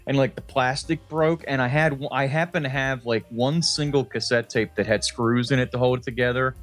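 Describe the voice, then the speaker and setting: A man co-hosting a comedy podcast in casual chat, laid-back, crude in his jokes and quick to laugh. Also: mid-range voice, steady tone, faint music behind. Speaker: podcast co-host.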